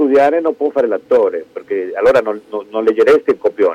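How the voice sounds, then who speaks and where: Man at a moderate pace, dry and close-sounding, no echo. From Venezuela, Caracas. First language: Spanish (speaking Italian). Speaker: actor. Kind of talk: casual chat. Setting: phone call.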